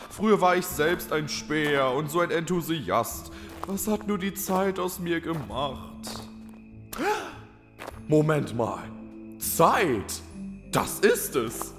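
Man playing a theatrical creature town master, swooping pitch. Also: very animated, full character voice. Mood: excited, scheming. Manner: theatrical, musing, drawn-out delivery. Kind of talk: German children's audio drama acting. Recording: hall-like reverb with music.

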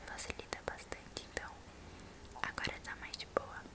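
A young woman with a São Paulo Brazilian accent speaks in an intimate ASMR whisper, casually answering viewers' questions close to the microphone in a small room. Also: normal speed. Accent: Brazilian, São Paulo state. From São Paulo state, Brazil. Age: young adult. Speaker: ASMR video creator and host. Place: small bedroom indoors. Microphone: large microphone right at the mouth.

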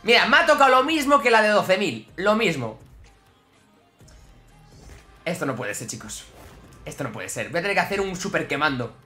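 Spanish man from Spain, gaming YouTuber, bright voice, big swings in pitch, excitable commentary, faint music underneath. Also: moderate pace, pauses often. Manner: excitable, swings from grumbling to yelling. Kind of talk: gameplay commentary to viewers.

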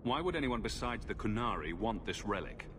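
A man's voice: lowish voice, sing-song, a little fast, background noise. A man voicing a direct, questioning fantasy hero in a video game. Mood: inquiring. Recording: game music underneath.

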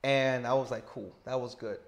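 A man in his thirties with a stutter, talking slowly and deliberately as an interview guest on a lapel mic indoors. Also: mid-range voice, steady tone. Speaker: interview guest, teacher living abroad. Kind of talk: casual interview. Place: indoor lounge with sofa.

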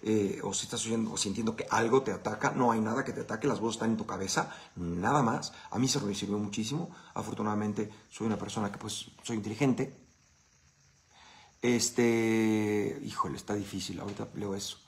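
A man's voice: lowish voice, a little fast. A man with a Mexican Spanish accent hosting a casual live Q&A. He answers viewer questions in a blunt, profane, conversational way.

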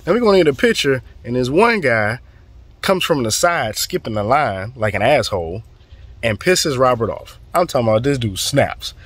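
A man from the southern United States with a hoarse, fading voice, telling an animated, profane story in a casual vlog. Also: medium pitch, normal speed, no room sound. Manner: animated, profane, acts out quotes. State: hoarse, voice going. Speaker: real estate vlogger.

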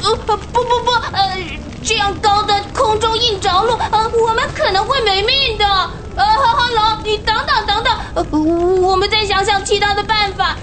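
Squeaky-high, stammering little ant. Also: female voice, fairly even intonation, normal speed, few pauses, background noise. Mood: anxious. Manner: hesitant, stammering. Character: small, bookish, nervous, fussy ant. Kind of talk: children's radio drama acting.

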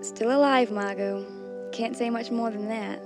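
A woman's voice: on the high side, steady tone, unhurried, music in the background. An actress playing a worried, resigned wife of an injured man in a 1930s radio drama.

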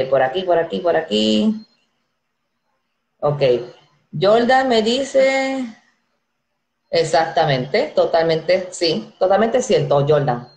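Medium in pitch with a darkish tone, a Dominican woman in her thirties and with a Dominican Spanish accent chats in a friendly way on her casual live stream, reading out viewer names and comments and laughing easily. She's in a small indoor room, on an earphone headset mic, and the sound is echoey.

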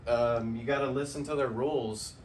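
A man's voice: mid-range voice, steady tone, normal speed, recorded from a distance, slight background noise. A man hosting a casual vlog, folksy and heartfelt, laughing often as he talks. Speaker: channel host.

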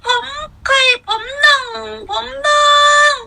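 A woman's voice: slow, sharp tone, faint music behind. A woman putting on the voice of a small boy, sobbing and wailing for his mother. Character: crying little boy calling for his mother.

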